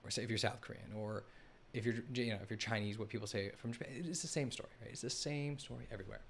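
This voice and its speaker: A man's voice: on the low side, quick pace, vocal fry, slight background noise. A man hosting a live stream, talking loosely over a map, often restarting his sentences and speaking to the chat. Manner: rambling, self-correcting, addresses the chat. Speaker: host of a live analysis stream.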